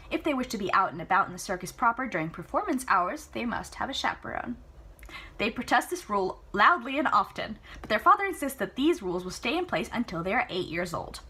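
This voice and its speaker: A woman reading a novel aloud in an enthusiastic, chatty way, adding casual asides and reactions, with a husky voice. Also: medium pitch, sharp tone. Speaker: amateur book reader.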